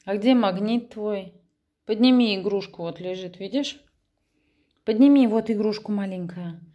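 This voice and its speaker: Woman, thirties, casual vlog talk, conversational, mid-pitched, echoey home room. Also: normal speed, muffled recording. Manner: chatty, informal, conversational. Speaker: vlogger and mother of young children. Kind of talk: casual vlog chat, talking to camera and to her toddler. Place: living room and bedrooms at home, indoors.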